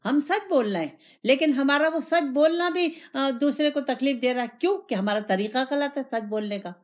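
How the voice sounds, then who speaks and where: A woman giving an Islamic sermon, repeating phrases and asking rhetorical questions in the first person. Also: high-pitched. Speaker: religious teacher. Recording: dull lo-fi recording.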